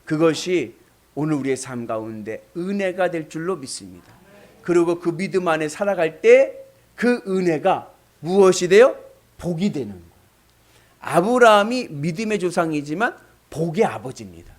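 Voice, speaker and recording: A man preaching a sermon, emphatic, with loud exclamations and questions to the congregation. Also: on the high side, animated, normal speed. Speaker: pastor.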